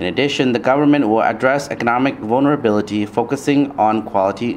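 A man with an ordinary speaking voice talks at a fairly quick pace, his medium pitch rising and falling with lively intonation. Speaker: news presenter. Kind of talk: formal news reading. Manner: formal, steady, measured newsreader delivery.

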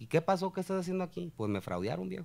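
A man's voice with very wide pitch swings. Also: very clean recording, silent background. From Mexico, Michoacán. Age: 30s. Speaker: regional Mexican singer. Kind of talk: interview.

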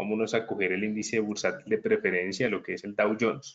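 A man talks with lively intonation. His pace is moderate. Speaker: presenter. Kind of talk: lecture. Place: home room. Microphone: webcam.

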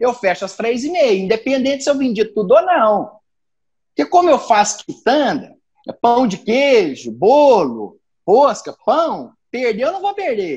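The background is quiet as a man talks at a fairly slow pace. His pitch is extremely high and swings very widely. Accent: Minas Gerais. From Divinópolis, Minas Gerais, Brazil. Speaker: shop owner. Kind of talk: casual interview chat. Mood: relaxed, humorous storytelling. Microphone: video call.

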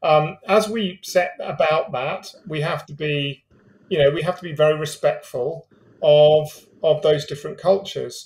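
A man speaks with a southern English accent. His pace is fairly slow. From southern England, Buckinghamshire; southern England. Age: 50s. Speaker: business executive; interviewee. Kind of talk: interview. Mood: thoughtful, measured. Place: home room. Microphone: webcam.

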